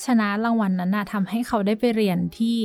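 A woman's voice: mid-range voice, steady tone, quick pace, darkish tone, faint music behind. A woman co-hosting a podcast, telling a story in a chatty, hesitant way and dropping in English words. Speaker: podcast co-host. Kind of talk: casual chat.

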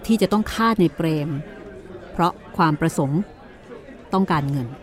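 A woman's voice: on the low side, moderate pace, a faint crowd. A woman narrating a courtroom mystery story in a storytelling style.

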